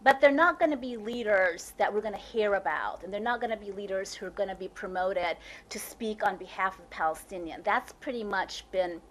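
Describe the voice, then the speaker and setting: A woman answering audience questions after a talk, talking quickly with many restarts and "like". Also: mid-range voice, a bit bright. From United States. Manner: talks fast, with frequent restarts and "like". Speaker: guest speaker. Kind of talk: lecture Q&A answers. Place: lecture room.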